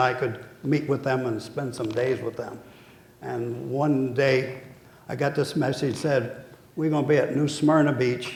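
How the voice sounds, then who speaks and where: With fairly even intonation and audible room echo, the man speaks at a moderate pace and a medium pitch. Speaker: war veteran. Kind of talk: storytelling.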